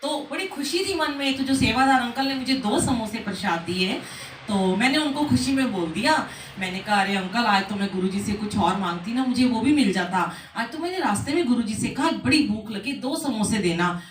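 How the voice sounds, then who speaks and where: A middle-aged woman leading a devotional satsang, telling lively anecdotes and acting out what people said. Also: fairly high pitch, moderate pace, a little hiss or hum. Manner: lively anecdotal storytelling with acted quotes. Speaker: satsang speaker. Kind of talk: devotional storytelling talk. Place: a home satsang gathering indoors. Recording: echoey room from far off.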